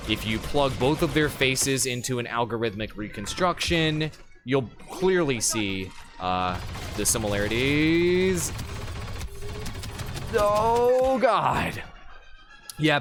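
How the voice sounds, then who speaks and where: A man doing casual live gameplay commentary, chatting with viewers in a slangy, joking manner. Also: mid-range voice. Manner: slangy, joking, talks to chat. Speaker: live game streamer. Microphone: streaming microphone.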